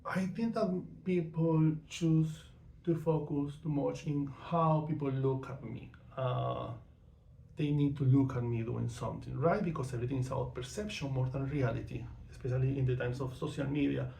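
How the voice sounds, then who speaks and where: A man's voice: medium pitch, steady tone, moderate pace, vocal fry, warm tone, roomy sound, slight background noise. A man in his thirties from Venezuela, speaking English with a Venezuelan accent though it is not his first language, talking frankly about himself in a casual monologue. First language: not English or Spanish. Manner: outspoken, frank, with frequent fillers. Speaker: vlogger.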